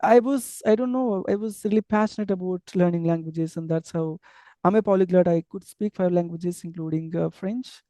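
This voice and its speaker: A man with an Indian English accent and a mellow, soft-edged tone, talking through his answers in a loose, hesitant way with lots of fillers and restarts. His first language is an unwritten tribal tongue. The recording is dry and close, with no room echo. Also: high voice, moderate pace. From Andhra Pradesh, India. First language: tribal language without a script. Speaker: interview guest, English teacher abroad. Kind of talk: casual interview conversation.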